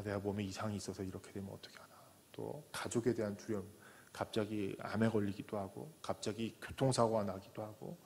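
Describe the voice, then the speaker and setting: A man, a pastor, preaching a sermon who acts out the voices in the story, from loud cries to soft whispers. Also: fairly low pitch. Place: church sanctuary. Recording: church hall with long reverb.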